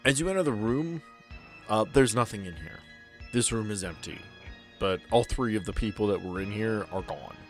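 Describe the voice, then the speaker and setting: A man running a tabletop game as game master, describing scenes in a relaxed way with dry humor. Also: fairly low pitch, moderate pace, faint music behind.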